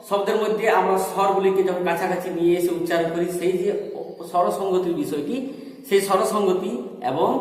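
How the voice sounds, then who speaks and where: Man lecturing in a very echoey room. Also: sits high. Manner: explains step by step, asks and answers his own questions. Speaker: teacher. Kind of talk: recorded lecture. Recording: echoey room with long reverb.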